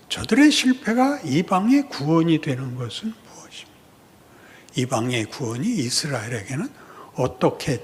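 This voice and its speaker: Animated older male pastor in a reverberant hall. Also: a little high. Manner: animated preaching, acting out God's rebuke in a loud scolding voice. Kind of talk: sermon. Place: church sanctuary. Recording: long reverb of a church hall.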